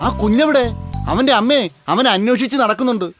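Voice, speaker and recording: An apologetic cartoon animal eager to make peace. The voice is high for a man and conciliatory, with music clearly playing behind it. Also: fast. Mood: helpful. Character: apologetic, helpful animal, a former foe. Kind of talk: children's cartoon voice acting.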